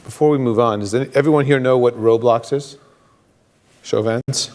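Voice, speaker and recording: A man's voice: medium pitch, steady tone, a little fast, darkish tone. A man moderating a conference panel, hesitant with many filler sounds. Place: conference stage.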